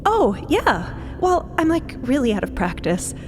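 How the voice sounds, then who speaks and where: Earnest young adventurer: highish voice, awkward, casual, halting, music underneath. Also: female voice, sing-song. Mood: embarrassed. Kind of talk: scripted audio drama acting.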